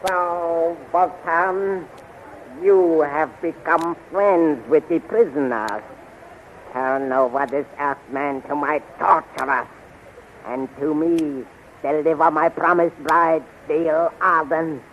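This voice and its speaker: An actor playing a merciless alien emperor in a 1930s radio serial, commanding and menacing, on a muffled old recording. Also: male voice, on the high side, takes it slowly, a little hiss or hum. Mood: imperious.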